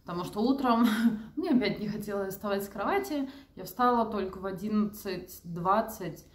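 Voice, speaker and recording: A woman's voice: mid-range voice, expressive, normal speed. Chatty woman vlogging in an echoey room. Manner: chatty, informal, conversational. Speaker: vlogger and mother of young children. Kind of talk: casual vlog chat, talking to camera and to her toddler. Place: living room and bedrooms at home, indoors.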